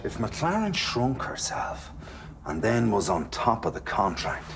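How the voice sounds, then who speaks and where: A man playing an excitable, goofy male crewman in a children's space comedy, talking loudly and jokingly. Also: fairly low pitch, unhurried, vocal fry, loud music behind the voice, exaggerated voice. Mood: excited. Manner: excitable, loud, jokey.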